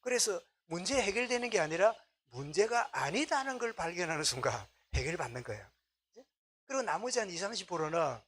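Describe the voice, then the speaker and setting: A man's voice: a little high, a bit bright, slightly rough. A middle-aged man, preaching a conversational sermon as a pastor.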